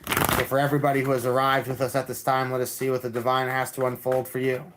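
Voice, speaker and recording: Male tarot streamer, calm and level delivery, repeats lines, restarts often. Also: mid-range voice, quick pace, slight background noise. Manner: calm, repetitive, with many restarts. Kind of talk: live-stream tarot reading and chat.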